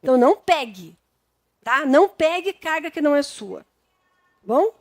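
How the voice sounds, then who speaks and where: Brazilian woman preacher, high voice, casual sermon tone, dry close sound. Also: sing-song, normal speed, a little mellow, no room sound. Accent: Brazilian Portuguese. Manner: conversational and homely, with frequent tag questions.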